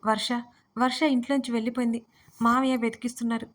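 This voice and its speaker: A woman's voice: on the high side, level tone, quick pace, natural voice. A woman voicing an upset, urgent young woman.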